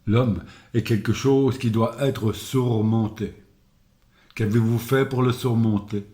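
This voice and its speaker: A man voicing a solitary male prophet who preaches to a crowd, declaiming slowly. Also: medium pitch, dark tone, lightly acted. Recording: roomy echo.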